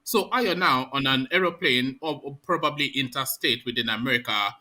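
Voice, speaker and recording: A man's voice: mid-range voice, normal speed, pushed and bright. A man hosting a casual online panel chat, teasing his guests in a playful, mock-dramatic way. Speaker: host.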